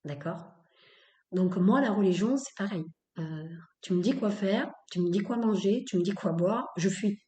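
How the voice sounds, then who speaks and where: A woman's voice: mid-range voice, moderate pace, warm tone, echoey room. A woman hosting a spoken podcast episode, talking in a blunt, opinionated way, with many fillers and repeated phrases. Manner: emphatic, repetitive, with many fillers. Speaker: podcast host.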